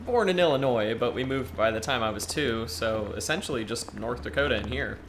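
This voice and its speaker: A man's voice: mid-range voice, animated, a little fast, background noise, lightly acted. A man playing a friendly, eager young Yeti tour guide in an audio drama, chatty and earnest as he explains things. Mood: open, easygoing.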